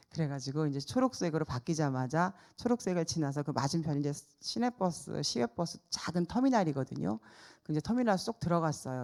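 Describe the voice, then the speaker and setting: A middle-aged woman evangelist delivers her sermon as a vivid personal story. Her voice sits a little low. She acts out the people in the story with lively voices. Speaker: evangelist preaching at a church service.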